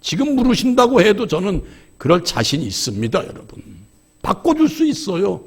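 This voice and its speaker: A male pastor preaching a sermon with a gravelly, husky voice. He pitches a little high for a man and leaps from near-whispers to shouted emphasis. His storytelling is candid and self-deprecating. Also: huge pitch swings, normal speed. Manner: swings between hushed asides and shouted emphasis. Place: church.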